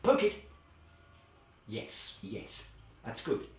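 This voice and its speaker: A man playing a pompous, self-important acting coach who over-enunciates grandly and breaks into sudden loud outbursts. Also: drawn-out words. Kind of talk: comedy character sketch. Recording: very echoey, far from the mic.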